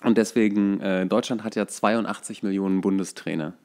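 A man's voice: on the low side, steady tone, brisk, a little mellow. A man chatting casually and jokingly as a podcast co-host. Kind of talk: casual chat.

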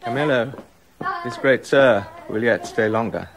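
A suspicious king, voiced by a man in an audio drama, his voice rough and gravelly as he broods in low asides. He turns on his counsellor with rising, bitter accusation. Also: unhurried, crowd noise, lightly acted, low-quality recording. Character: jealous brooding king, middle-aged man. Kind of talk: radio drama acting.

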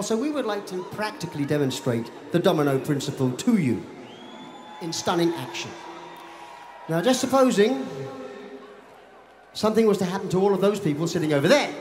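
A man's voice: on the high side, background noise. A man in his fifties, a lead singer, doing playful, teasing stage banter that builds by repetition, into a handheld mic on an outdoor stadium stage. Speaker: lead singer addressing the crowd. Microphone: handheld stage mic through PA. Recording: echoey stadium PA with loud roaring crowd. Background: roaring crowd.

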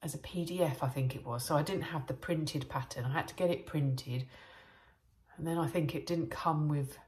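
A woman in her forties with a bunged-up nose, chatting casually and warmly into her phone camera at home and in her car. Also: low-pitched, normal speed, husky. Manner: chatty, chirpy and warm. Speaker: vlogger. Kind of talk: casual daily vlog chat. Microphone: phone camera at arm's length.

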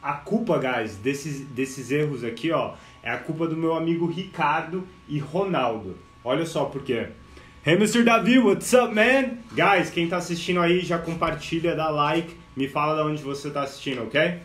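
Energetic Brazilian English teacher, echoey room. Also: male voice, a little high. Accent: Brazilian Portuguese. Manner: energetic, mixes English and Portuguese, greets viewers; drills words slowly, exaggerates sounds. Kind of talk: live-streamed pronunciation lesson.

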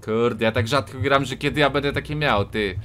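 A man's voice: mid-range voice, normal speed, fairly bright tone, slight background noise. A young man with a Polish accent, joking and trolling in voice chat while playing a truck game, switching between broken English and Polish. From Poland. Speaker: gaming YouTuber.

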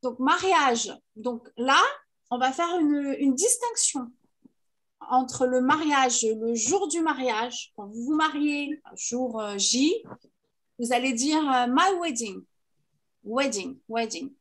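High-voiced teacher drilling vocabulary. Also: female voice, expressive, takes it slowly, a bit bright. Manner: clear, patient drilling of vocabulary. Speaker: English teacher. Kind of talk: online class lesson.

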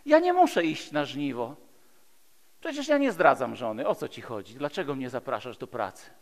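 A man's voice: medium pitch, sing-song, normal speed. A man in his fifties from Poland preaching a sermon in an emphatic, rhetorical manner with repeated phrases. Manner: emphatic, rhetorical, with repeated phrases and dramatic swings between loud and hushed. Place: large church hall, speaking from a pulpit. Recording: echoey hall with long reverb.

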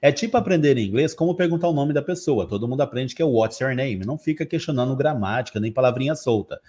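A man from Brazil gives an online English lesson with a slightly husky voice. He explains patiently and says each practice phrase slowly, more than once, so students can repeat it. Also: mid-range voice, lively intonation, dark tone. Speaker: English teacher.

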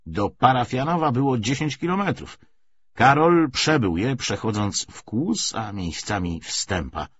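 A man narrating a literary audiobook in an expressive, scripted reading style. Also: medium pitch, measured pace, breathy edge, lo-fi sound.

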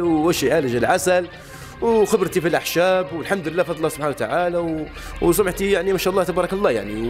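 A Libyan man in his late thirties speaks very quickly, his voice sitting a little high for a man. He answers questions outdoors into a handheld mic, restarting sentences and leaning on fillers. Faint music plays behind him. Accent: Libyan Arabic. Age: late 30s. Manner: halting, many fillers and restarts. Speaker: interviewee, honey trader. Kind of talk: casual interview answers. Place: outdoors by a wall. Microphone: handheld mic held by interviewer.

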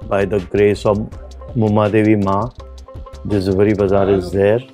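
A middle-aged man with an Indian English accent, a jeweller answering interview questions in earnest, halting English inside his small shop. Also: on the low side, flat delivery, a little mellow, soft background music.

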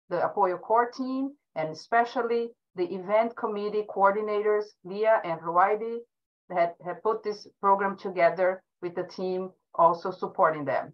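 Middle-aged woman hosting, slightly dull audio. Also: mid-range voice. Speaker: webinar host. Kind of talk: bilingual welcome and moderating. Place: indoors on a video call.

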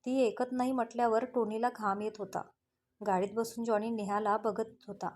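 Woman, storyteller, steady romantic story narration, higher voice. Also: moderate pace.

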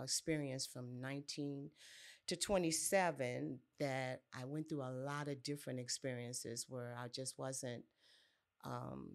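A woman in her sixties from Chicago, telling her own story frankly and casually as a podcast guest. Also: a bass voice. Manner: frank, conversational. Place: small furnished podcast studio. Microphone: close boom-arm studio mic with headset.

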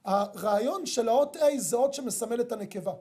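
A man's voice: extremely high pitch, darkish tone. A man who is a rabbi, giving an emphatic sermon with stories and rhetorical questions, speaking directly to his listeners. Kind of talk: sermon with storytelling.

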